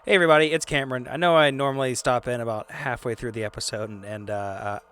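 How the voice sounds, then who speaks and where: A man's voice: mid-range voice, fairly even intonation, fast talker, fairly bright tone, clear, resonant tone. A man chatting casually as a regular and player on a tabletop game podcast. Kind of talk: casual chat.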